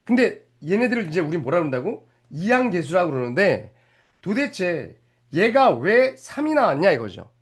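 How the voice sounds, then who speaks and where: A male math teacher giving a lively lecture, explaining step by step and often stopping to ask whether the students are following. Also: high-pitched, moderate pace, husky. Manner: animated, keeps checking if students follow; explains step by step with rhetorical questions.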